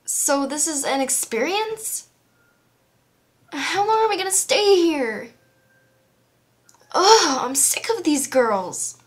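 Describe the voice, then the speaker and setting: Woman acting a fed-up girl, bratty, slow drawl, high voice, impatient, amateur series character. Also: big pitch swings, heavily acted.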